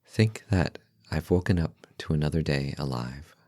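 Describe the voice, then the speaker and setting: A meditation guide and podcast host with an extremely low voice leads a calm, gentle session. His phrases are short and unhurried, with long pauses in between, and the sound is dry and close with no room around it.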